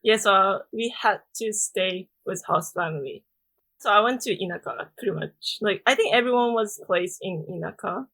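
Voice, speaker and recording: A woman's voice: medium pitch, normal speed, slightly rough, low-quality recording. A young Japanese woman with a Japanese accent, chatting as a guest on a podcast, filling her speech with "like.". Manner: chatty, frequent "like" fillers, soft laughs. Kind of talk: casual podcast interview.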